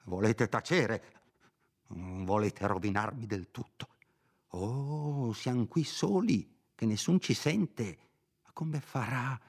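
A man's voice: medium pitch, measured pace, natural voice. A man doing a scolding old-fashioned housekeeper. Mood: indignant. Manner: scolding, pleading, raising the voice. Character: fussy scolding middle-aged housekeeper woman.

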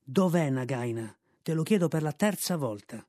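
A man's voice: on the high side, animated, normal speed, dark tone, no echo, clean studio sound, lightly acted. Brave mongoose hero, brusque and bossy, read by a man. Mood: commanding. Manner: brusque, commanding. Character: brave young male mongoose, bold and impatient.

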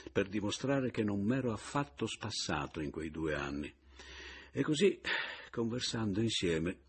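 A man reading a literary novel aloud as an audiobook narrator, in a measured, reflective first-person voice. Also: rumbling low, slightly rough.

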